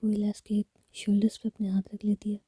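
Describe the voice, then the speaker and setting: Female ASMR narrator, dark mellow breathy whisper, dry close mic. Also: medium pitch, monotone, no echo. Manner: soft intimate whisper, slow. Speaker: storyteller.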